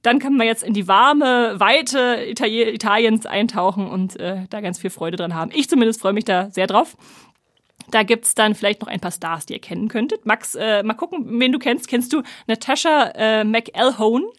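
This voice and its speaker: A woman's voice: fairly high pitch, moderate pace, no echo, studio quality. A woman co-hosting a casual podcast, presenting new series in a chatty, upbeat way with lots of fillers. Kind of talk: casual chat.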